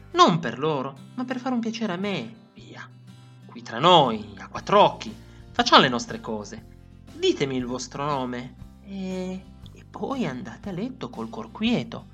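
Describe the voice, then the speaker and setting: A man reading aloud and voicing a crafty middle-aged innkeeper who coaxes in a gentle, persuasive way. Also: mid-range voice, animated, a little fast, hardly any pauses, slightly rough, soft background music. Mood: wheedling. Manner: coaxing and gentle, then firm.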